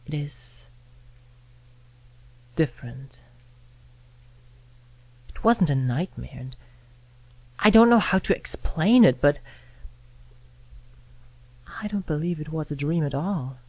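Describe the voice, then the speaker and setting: A narrator reading a scripted first-person story in short phrases with frequent pauses. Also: mid-range voice, expressive, darkish tone, dry recording, rough recording. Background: music with guitar and piano.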